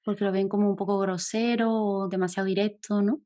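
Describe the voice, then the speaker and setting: A woman's voice: mid-range voice, fairly even intonation, brisk, warm tone. A woman hosting an interview, engaged and summing up her guest's points in a casual talk. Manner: engaged, sums up and adds points. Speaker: interviewer, channel host.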